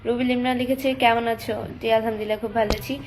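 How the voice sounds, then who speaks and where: A woman's voice: a little high, fairly even intonation, quick pace, a little mellow, a little hiss or hum. Teenage girl chatting on a phone live stream. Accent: Chandpur Bengali. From Bangladesh. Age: teens. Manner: chatty, reads viewer comments aloud and answers them. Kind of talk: casual live-stream chat reading comments.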